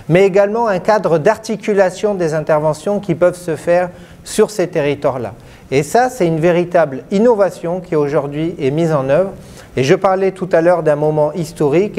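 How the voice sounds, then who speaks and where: A man giving a formal interview statement in a measured, earnest way, as a development partner. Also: a little high, warm tone.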